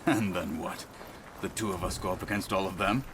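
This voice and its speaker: A man's voice: deep voice, a little fast, noisy background, natural voice. A man acting a weary, wry tribal warrior. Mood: wry, reluctant. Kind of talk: video game cutscene acting. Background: loud game music.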